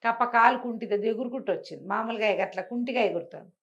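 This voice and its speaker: A woman's voice: a little high, fast talker, creaky. Woman storyteller, slightly dull recording. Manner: conversational, with repetition and acted dialogue. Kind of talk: animated oral telling of a bedtime folk tale.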